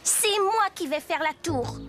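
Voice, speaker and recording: High, slow-talking bossy little boy. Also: lively intonation, background noise. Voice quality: childlike. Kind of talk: French children's cartoon dubbing. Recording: music behind the voice.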